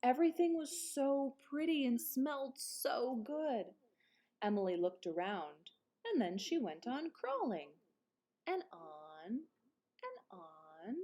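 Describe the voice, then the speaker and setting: A woman reading a children's picture book aloud like a teacher, with dramatic emphasis and quieter explanatory asides. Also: high-pitched, sing-song, takes it slowly. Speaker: read-aloud presenter, teacher. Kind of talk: expressive children's storybook narration with explanatory asides.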